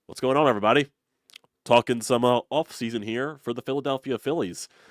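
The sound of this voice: A man talks at a fairly quick pace with a medium, nasal pitch and ordinary pitch variation. The recording is very clean, with a silent background and a dry, close sound with no echo.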